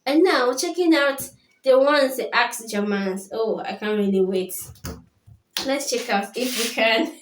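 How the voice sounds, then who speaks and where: Excitable woman reacting in an echoey room. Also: a little high, background noise. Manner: excitable, breaks into laughs and quick interjections. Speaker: reaction video host. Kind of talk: casual reaction commentary. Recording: roomy echo with faint music.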